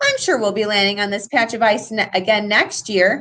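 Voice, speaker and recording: A put-on character voice talks at a moderate pace. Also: woman, medium pitch for a woman. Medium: read story. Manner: bright, friendly.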